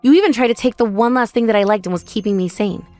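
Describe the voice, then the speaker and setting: A woman's voice: medium pitch, quick pace, a little mellow, lightly acted. A woman voicing a wronged, outspoken adult daughter in a comic dub, confrontational and emotional. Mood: furious. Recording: voice over background music.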